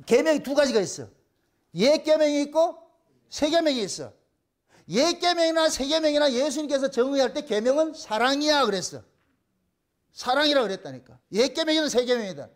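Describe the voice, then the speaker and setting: Male pastor, high and very animated, hammering points home with repetition and rhetorical questions. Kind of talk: sermon.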